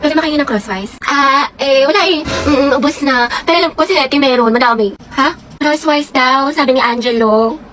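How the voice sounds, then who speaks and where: A woman with a Filipino accent playing several chatty schoolgirls in comedy skits, switching lively between characters. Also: high voice, a little fast. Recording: music playing behind the voice.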